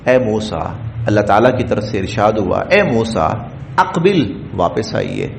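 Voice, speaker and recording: A man's voice: fairly low pitch, big pitch swings, creaky. A man from Pakistan teaching a Quran translation and commentary lesson, chanting Arabic phrases and explaining each in Urdu, recorded in a mosque. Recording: echoey mosque room, faint background noise.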